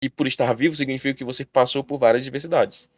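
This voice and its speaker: A male teacher giving a live online class, talking fast and chatty, speaking straight to his students. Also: medium pitch, steady tone, no echo, highs cut off.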